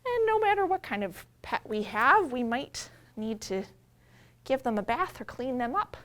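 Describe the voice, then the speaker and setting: Woman, children's librarian. High voice, simple child-directed talk, storytime read-aloud with drawn-out emphasis. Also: sing-song, fairly bright tone. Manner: simple explanations, questions and invitations addressed to young children.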